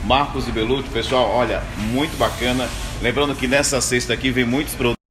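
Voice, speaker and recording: Amid the clear bustle of a large supermarket, a man delivers a live hard-sell ad. His mid-range voice urges shoppers on, repeating key offers as an in-store announcer would. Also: medium pitch, fairly even intonation, a little fast. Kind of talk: live in-store advertising pitch. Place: large supermarket floor, indoors. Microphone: handheld microphone, phone video. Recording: clear store ambience noise.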